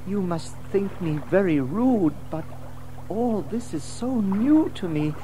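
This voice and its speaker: A timid, wonder-struck young mole in a children's audio drama. The intonation is very lively at a medium pitch. The manner is eager and questioning, with faint noise behind. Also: female voice, slow pace, rough recording. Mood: curious, awed. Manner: eager, wide-eyed, questioning.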